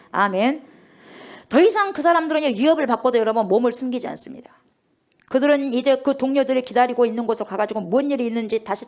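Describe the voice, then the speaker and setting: Woman pastor preaching, animated and questioning the congregation throughout. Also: on the high side. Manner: rhetorical questions, constantly addressing the congregation. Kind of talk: sermon.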